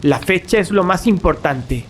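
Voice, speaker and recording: An actor playing a resolute, grave young male student in an audio drama, speaking formal Castilian Spanish firmly and deliberately. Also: high-pitched, lively intonation, slight background noise. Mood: grave, determined.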